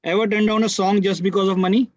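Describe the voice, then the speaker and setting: A man's voice: high-pitched, flat delivery, fast talker, dry recording. A man asking short interview questions, sometimes stumbling over his words. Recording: dull, dry lo-fi audio.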